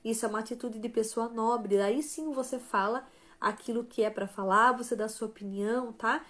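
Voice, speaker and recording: A woman's voice: a little high, moderate pace. Woman teaching on a live stream. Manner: tags most phrases with "né?" and "tá?"; shifts between softer and stronger emphasis. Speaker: live stream host and author.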